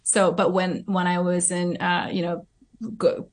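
A woman's voice: lowish voice, monotone, unhurried. A woman from Southern California, in her thirties, answering interview questions as a coach, reflective and often adding "right?" to her points. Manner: reflective, frequent "right?" tags and fillers.

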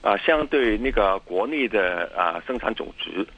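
A man's voice: lowish voice, animated, a bit bright, muffled recording, a little hiss or hum. Man, cantonese accent in mandarin, interview guest explaining stuff, keeps stopping and repeating words. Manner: halting, hesitant Mandarin with frequent pauses and repeated words.

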